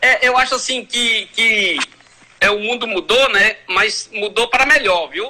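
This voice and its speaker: The voice is raised and projected. It moves at a fairly slow pace. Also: man, extremely high pitch for a man, ordinary pitch variation. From Bahia, Brazil (Feira de Santana). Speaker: ENT doctor and professor. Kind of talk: interview, casual conversation. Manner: hesitant with repetitions.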